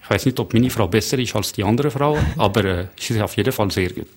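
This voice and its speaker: A middle-aged man with a gravelly, creaky edge to his voice, a French native speaker talking in a radio studio. He tells his stories warmly, leans hard on key words and restarts his sentences now and then. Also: fairly low pitch, quick pace. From Geneva, Switzerland. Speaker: hotelier, radio guest. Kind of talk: radio interview.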